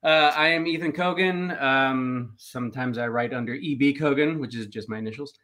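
Man from Los Angeles, halting guest. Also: mid-range voice, sharp tone. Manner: halting, with frequent "um" pauses. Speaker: guest, filmmaker and editor. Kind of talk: casual interview chat.

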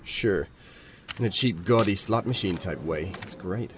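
A man's voice: low voice, a little slow. An actor playing a rebellious young man with a dry, mocking sarcasm in an audio drama. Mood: sarcastic. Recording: noisy background.

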